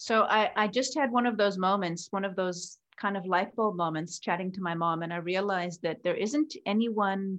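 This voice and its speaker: Over a quiet background, a woman speaks in a normal speaking voice with an American accent. Her pitch is medium and her pace moderate. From US, Oregon. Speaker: mediator and animal behaviorist. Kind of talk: interview conversation. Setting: remote call from home.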